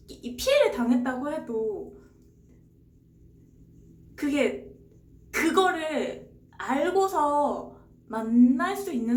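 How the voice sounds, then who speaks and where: A young woman streamer casually retelling a novel's plot, chatty and rambling, answering her viewers as she talks. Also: on the high side. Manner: chatty, rambling, answers chat with short replies. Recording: roomy echo, faint background hiss.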